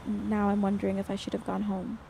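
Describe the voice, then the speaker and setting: A woman's voice: medium pitch, completely flat delivery, brisk, gravelly, dark tone, slight background noise, close to an everyday voice. An actress playing an anxious, homesick young woman with a wry streak in an audio drama, speaking casually. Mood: wistful. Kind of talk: acted dialogue in an audio drama podcast.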